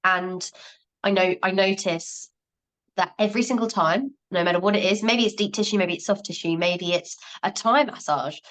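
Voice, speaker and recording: A woman's voice: medium pitch, moderate pace, fairly bright tone, rough recording. A woman podcast host chatting casually about her own experiences with massage. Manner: chatty, personal anecdotes.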